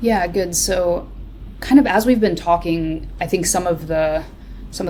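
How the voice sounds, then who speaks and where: Against noticeable background noise, a woman with an American accent speaks in a fairly low pitch with ordinary variation. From US South, Kentucky. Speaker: philosophy professor. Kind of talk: podcast interview. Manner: frequent fillers and hedges.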